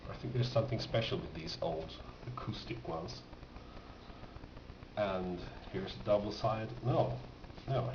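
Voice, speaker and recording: Slow, low-voiced man, distant roomy recording. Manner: hesitant, rambling, thinking aloud. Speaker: record collector presenting his finds. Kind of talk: casual unscripted show-and-tell. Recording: roomy, distant, muffled, noisy home recording.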